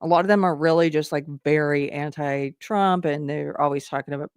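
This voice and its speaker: A woman's voice: sits low, steady tone, a little fast, darkish tone, clean tone, no room sound. Chatty woman thinking aloud, dry sound. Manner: thinking aloud, frequent restarts, conversational; reads posts aloud with running commentary. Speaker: host. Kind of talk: casual political commentary.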